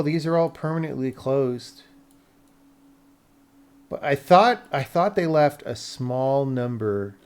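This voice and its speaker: A man's voice: medium pitch, vocal fry, a little mellow. An American man chatting casually on a livestream, explaining tech and thinking aloud in an informal, rambling way. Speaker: live streamer.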